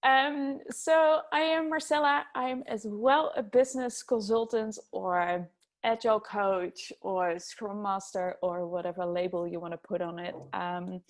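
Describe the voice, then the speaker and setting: A woman's voice: medium pitch, steady tone, measured pace. A woman with a Dutch accent, an agile coach giving an upbeat webinar talk over a video call, with many ums and uhs. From Netherlands. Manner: frequent ums, upbeat and eager. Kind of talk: webinar presentation.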